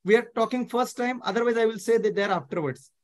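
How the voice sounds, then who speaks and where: A man's voice: extremely high pitch, quick pace. A man in his thirties with an Indian English accent, teaching a live online German class and often checking that students follow. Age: 30s. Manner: explains step by step, checks understanding often, mixes Hindi. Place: indoor room, video call.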